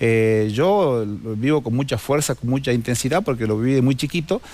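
A man talks at a fairly quick pace with lively intonation. He has an ordinary speaking voice. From Argentina, Jujuy; Argentina. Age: 40s. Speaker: rodeo announcer and folk reciter; interview guest. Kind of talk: casual interview. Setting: TV studio. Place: studio. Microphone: lapel.

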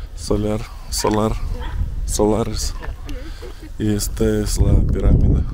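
A man at a very slow pace with long, frequent pauses, in a dry sound with no echo and noticeable background noise. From Russia. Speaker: travel vlogger. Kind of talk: casual travel vlog chat. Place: open country. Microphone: phone near.

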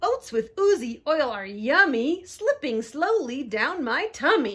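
Using a put-on character voice, a woman talks at a high pitch and a fairly slow pace, her pitch swinging very widely. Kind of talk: bedtime story. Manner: soft, whispering, tender.

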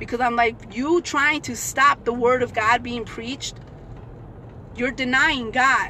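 A woman with an American accent speaks at a fairly slow pace in a high pitch, her tone animated. The sound is dry with no echo, and there is light background noise. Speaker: street preacher. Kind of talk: street preaching vlog. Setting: outdoors. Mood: indignant, fervent. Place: car. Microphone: phone near.

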